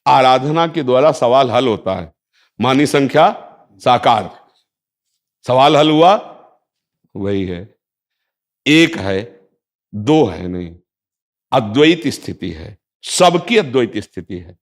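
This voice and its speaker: A man giving a calm spiritual discourse, reciting Sanskrit verses and affirming listeners often. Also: mid-range voice, slow, pauses often. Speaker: spiritual teacher.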